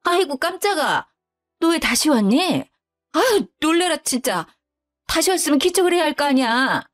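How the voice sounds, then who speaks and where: A woman's voice: fairly high pitch, big pitch swings, moderate pace, soft background music. A woman voicing a grumbling, self-pitying widowed mother-in-law who speaks curtly. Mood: indignant. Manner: curt, self-pitying, sighing.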